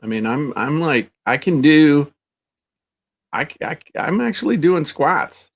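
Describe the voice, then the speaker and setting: A man's voice: fairly high pitch, big pitch swings, a little slow, husky. A man co-hosting a podcast, chatting casually in a blunt, colloquial way. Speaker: podcast co-host. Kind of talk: casual chat.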